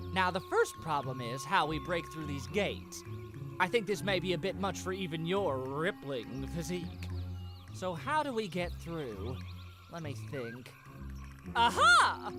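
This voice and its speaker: An actor playing a flamboyant, melodramatic, effete wizard with a theatrical, swooning manner in a comic fantasy game. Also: male voice, sits high. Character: flamboyant, melodramatic, effete male wizard mourning his stolen familiar.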